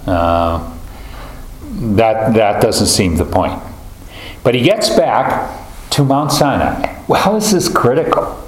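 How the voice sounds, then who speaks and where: A man leading a group Bible study, talking in a halting, thoughtful way with many fillers and restarts. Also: lowish voice, big pitch swings. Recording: roomy echo, faint ambience.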